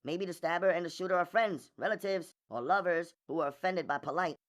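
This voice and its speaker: A woman's voice: lowish voice, lightly acted. A woman playing an intense, blunt, probing female defense attorney in an audiobook, speaking emphatically and insistently. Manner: emphatic, insistent, rapid-fire delivery. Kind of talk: audiobook character dialogue.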